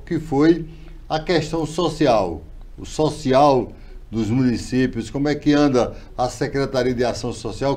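A middle-aged man hosting a TV studio interview, speaking in a relaxed, drawn-out way with hesitations. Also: mid-range voice. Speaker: TV interview host. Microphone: lapel mic.

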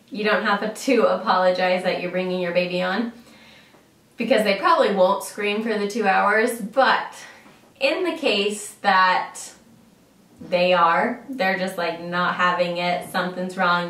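A woman's voice: mid-range voice, fairly bright tone. A young woman chatting casually to camera, giving tips with lots of fillers. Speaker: vlogger sharing travel tips. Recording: roomy sound, mic at a distance.

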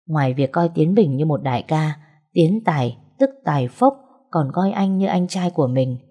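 Woman storyteller, low and husky, mellow, steady late-night narration. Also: lo-fi sound. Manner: steady, measured reading.

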